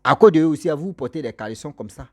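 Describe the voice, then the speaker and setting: Husky guy ranting at the camera, scolding and repeating himself. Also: on the high side, lively intonation, fast, a little mellow. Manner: scolding, repetitive, addresses listeners directly. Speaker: social commentator. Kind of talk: moralizing monologue to camera.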